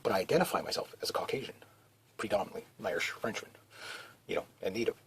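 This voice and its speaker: A man's voice: fairly low pitch, racing, a bit bright, husky, poor audio. A man talking in a rambling, casual monologue, full of restarts and fillers. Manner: meandering, many restarts and "you know" fillers. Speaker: video blogger.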